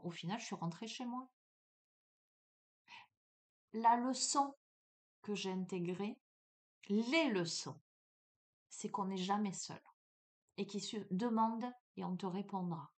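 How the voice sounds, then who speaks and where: A middle-aged woman hosting a spiritual guidance channel, telling a personal story in a chatty, animated way with many fillers, speaking straight to the listener. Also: mid-range voice.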